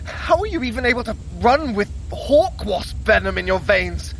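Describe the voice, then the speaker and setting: An actor playing a panicky, sharp-tongued trickster god in an audio drama, theatrical and exasperated. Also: mid-range voice, very animated, normal speed, vocal fry. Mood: alarmed, exasperated. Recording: noisy chaotic chase ambience.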